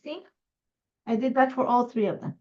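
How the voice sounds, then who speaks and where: A woman's voice: on the high side, animated, normal speed, warm tone, dull audio. Chatty Ecuadorian-born woman crafting live. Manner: chatty, thinking aloud while working. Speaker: craft host. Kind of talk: live scrapbooking tutorial.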